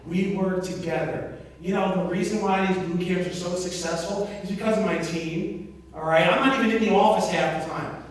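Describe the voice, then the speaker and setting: Energetic man speaking in an echoey hall. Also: high voice, moderate pace. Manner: energetic, storytelling with asides. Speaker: motivational speaker. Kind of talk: live presentation to an audience. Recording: echoey hall, mic at a distance.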